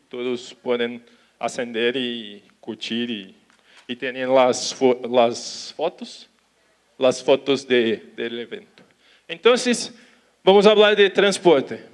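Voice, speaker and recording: A man with a Brazilian accent, a native Portuguese speaker who cannot roll his R, giving an informal conference talk haltingly, mixing in Portuguese words and checking that listeners follow. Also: mid-range voice, clean tone. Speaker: animal welfare consultant giving a talk.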